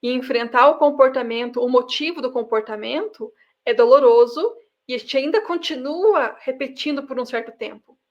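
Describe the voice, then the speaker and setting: Brazilian woman reading and commenting, fairly high. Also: normal speed, lo-fi sound. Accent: Brazilian Portuguese. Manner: alternates steady reading with emphatic asides to listeners. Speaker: psychoanalyst reading and commenting a book.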